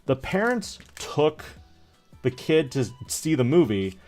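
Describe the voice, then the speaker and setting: A man in his thirties talks in an animated, rambling, jokey way, like a streamer casually chatting to his viewers. His pitch jumps around freely. Music plays faintly behind him. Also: takes it slowly. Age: 30s. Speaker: streamer opening trading card packs. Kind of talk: casual livestream chat.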